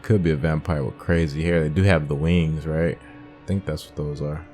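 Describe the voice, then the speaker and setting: Male gaming host, extremely deep voice, casual and musing, faint music behind. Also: steady tone, moderate pace, warm tone. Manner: rambling, musing. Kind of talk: casual playthrough commentary. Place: game commentary with game music behind.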